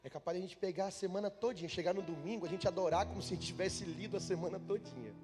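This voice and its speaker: A man's voice: sits high, fast. A man preaching a sermon as a pastor in a conversational, humorous way, often putting questions to the congregation. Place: church. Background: instrumental music.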